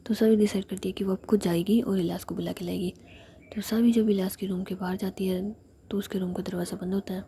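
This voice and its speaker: A woman retelling a story in a steady, continuous whisper. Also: mid-range voice, quick pace.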